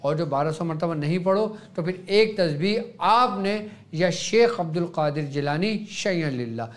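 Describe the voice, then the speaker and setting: A man with a Pakistani Urdu accent gives religious instruction as a Sufi guide. His voice sits a little high for a man. He explains each step patiently and drops into soft chanting to demonstrate. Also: lively intonation, normal speed.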